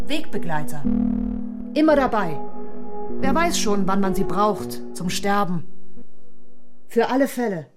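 Slow, anguished radio play narrator. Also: female voice, medium pitch. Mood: desolate. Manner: deliberate, stark, dramatic recitation. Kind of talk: literary radio play monologue, short fragmented lines.

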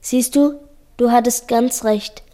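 A woman acting a small, brave schoolboy in a radio play, gentle, earnest and childlike. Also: on the high side, fairly even intonation, slow pace. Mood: brave, pleased.

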